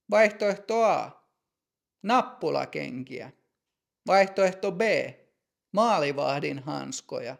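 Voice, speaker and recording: Brief: male narrator for a learners' story, gravelly edge, fairly high voice, clear measured reading. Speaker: language teacher narrator.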